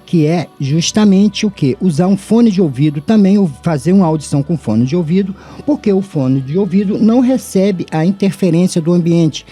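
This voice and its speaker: A man's voice: on the high side, dark tone, breathy edge. A middle-aged Brazilian man with a tongue-tied lisp and slushy sh for s, teaching an audio lesson in a didactic way with rhetorical questions. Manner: didactic, addresses listeners formally, asks himself questions. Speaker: audio tutorial host. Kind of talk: informal scripted-free audio lesson. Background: background music.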